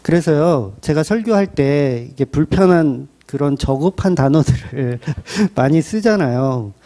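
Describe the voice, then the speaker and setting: A man preaching a sermon as pastor, blunt and colloquial, acting out quotes in a lively way. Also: fairly high pitch, a little slow.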